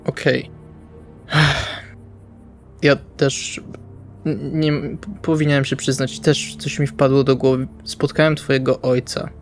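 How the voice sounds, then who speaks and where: A man's voice: mid-range voice, level tone, takes it slowly. A man playing a blunt, exasperated male vampire in an improvised tabletop roleplay, speaking colloquially and hesitantly, with music behind him. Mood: hesitant, concerned. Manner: colloquial, swearing, hesitant phrasing.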